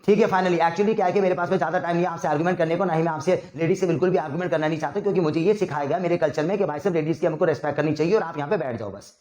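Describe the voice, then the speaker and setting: A man teaching spoken English, lecturing briskly and acting out scolding role-plays, mixing English words into his talk. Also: on the high side, darkish tone. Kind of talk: lesson with scolding role-play demos. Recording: roomy echo.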